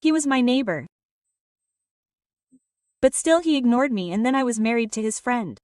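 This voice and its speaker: A woman's voice: fairly high pitch, expressive, normal speed, a little mellow, no echo, natural voice. A woman voicing a bitter, scheming middle-aged aunt who speaks with cold sarcasm. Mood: sarcastic. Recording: slightly distant, dry recording.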